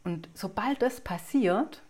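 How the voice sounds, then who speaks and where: A woman's voice: mid-range voice, lively intonation, takes it slowly, a little mellow, breathy edge. A woman psychologist and hypnotherapist giving an earnest talk, often asking herself questions and restarting her sentences. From rural Alpine region. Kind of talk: spoken talk to an audience.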